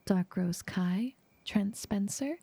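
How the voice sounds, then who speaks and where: A woman ASMR creator with a soft, breathy, whispery voice, reading out thanks in an outro. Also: mid-range voice, slow pace, no room sound.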